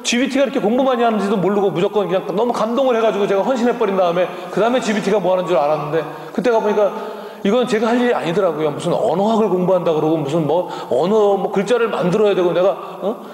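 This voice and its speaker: A middle-aged man, a missionary, preaching a sermon in a church with animated storytelling and frequent tag questions. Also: high voice, fast. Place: church sanctuary. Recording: echoey hall with long reverb.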